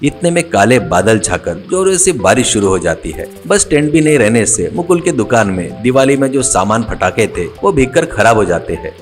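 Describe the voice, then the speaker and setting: A man's voice: medium pitch, moderate pace, hardly any pauses, soft background music. Man narrating a cartoon story. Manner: plain, steady storytelling.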